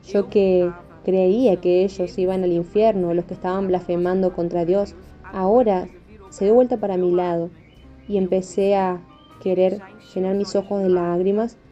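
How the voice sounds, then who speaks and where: A woman recounting a spiritual testimony with earnest emphasis, her voice deep-toned and mellow. The recording is muffled and lo-fi, and soft music runs quietly underneath. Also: steady tone, normal speed. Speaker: preacher giving testimony. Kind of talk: testimony narration. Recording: dull lo-fi audio with faint music.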